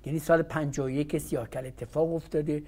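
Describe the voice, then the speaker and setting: A man's voice: on the high side, fairly even intonation, darkish tone. A male host leading a casual interview, prompting his guest with short questions and remarks.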